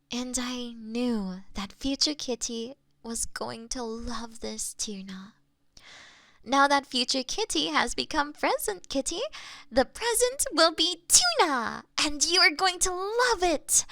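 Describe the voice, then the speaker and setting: A woman's voice: high voice, vocal fry, pushed and bright, no room sound, clean studio sound, heavily acted. A woman playing a doting, playful cat owner in an intimate roleplay, cooing affectionately at her pet. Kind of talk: roleplay audio, intimate one-sided scene. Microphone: close binaural microphone.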